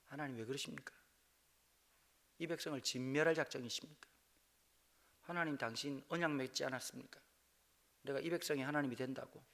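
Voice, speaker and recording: A man voicing Moses as he pleads earnestly with God in a hushed way. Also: mid-range voice, fairly quick, vocal fry, long pauses. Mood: pleading.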